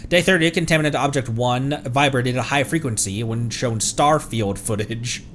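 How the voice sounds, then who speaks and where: A man's voice: mid-range voice, normal speed, a bit bright, slight background noise. A man livestreaming a game, reading its text aloud and reacting casually, sometimes stumbling over words and correcting himself. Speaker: livestream host, VTuber.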